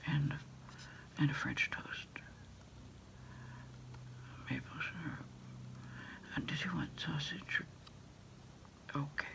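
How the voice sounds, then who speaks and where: A middle-aged woman doing a hushed ASMR roleplay, unhurriedly taking orders into a phone handset. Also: low voice, fairly even intonation, takes it slowly, vocal fry, long pauses. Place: small indoor desk space.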